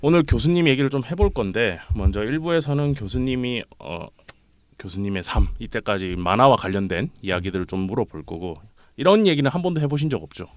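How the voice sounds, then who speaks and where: A man hosting a casual interview podcast, playful and quick to laugh, his voice a little off from a cold. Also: medium pitch, animated. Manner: playful, laughs often, teasing. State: has a cold, voice slightly off. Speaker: podcast host.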